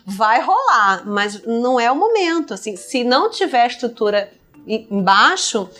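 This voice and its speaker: A middle-aged Brazilian woman, a speech therapist, explaining child language development in a lively podcast chat. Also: fairly high pitch, unhurried. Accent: Brazilian Portuguese. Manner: explanatory, lively, acts out parents and toddlers. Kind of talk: conversational podcast interview.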